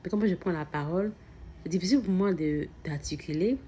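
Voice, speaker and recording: A woman with a somewhat low voice gives an earnest, reflective self-help talk as a mother addressing her listeners. She stutters often, doubling words and restarting phrases. A faint background hum sits under her voice. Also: brisk, warm tone. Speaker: mother sharing personal reflections.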